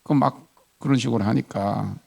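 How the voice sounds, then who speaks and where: Gravelly Gyeongsang pastor telling a story. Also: male voice, medium pitch, moderate pace. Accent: Gyeongsang Korean. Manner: animated storytelling, acting out quoted speech with chuckles. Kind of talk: sermon.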